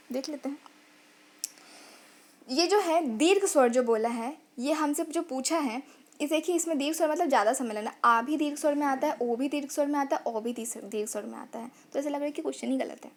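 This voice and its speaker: A woman's voice: high voice, fairly quick. A woman teaching grammar in an online lesson, sounding out vowels and repeating phrases as she explains.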